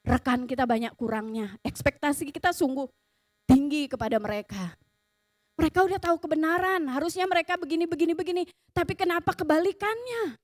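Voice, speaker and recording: High-voiced earnest woman preaching. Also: fairly quick, no room sound, studio quality. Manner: earnest and emotional, tells stories vividly. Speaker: youth service preacher. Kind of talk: sermon with personal testimony.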